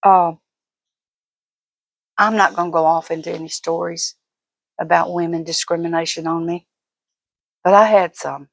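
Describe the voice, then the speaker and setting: A woman's voice: on the low side, fairly even intonation, normal speed, gravelly, pauses often, dry recording. An older woman vlogger talking casually and giving opinions in an emphatic, folksy, fussing manner.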